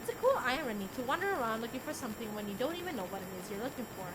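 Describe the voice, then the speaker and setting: A woman's voice: fairly high pitch, very animated, racing, very noisy. A woman streamer reading a visual novel aloud expressively, with casual asides. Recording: music under the voice. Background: game music.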